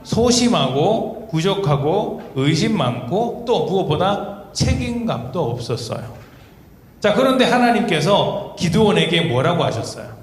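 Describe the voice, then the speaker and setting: A man's voice: high voice, sing-song, a little slow. A man giving a children's sermon in a church, storytelling and asking the kids questions. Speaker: children's pastor. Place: church hall. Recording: echoey hall, faint noise.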